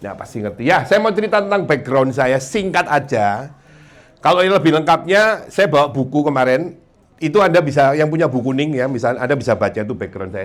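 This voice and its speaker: Speaking very fast with a Surabaya accent, a man uses a fairly high voice, an animated tone and lively intonation. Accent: East Javanese Indonesian (Surabaya). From Indonesia, Surabaya (East Java). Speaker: motivational speaker. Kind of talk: motivational talk.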